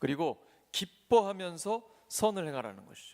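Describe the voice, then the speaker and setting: A man is speaking. His intonation is lively. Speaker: pastor. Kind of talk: sermon. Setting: church.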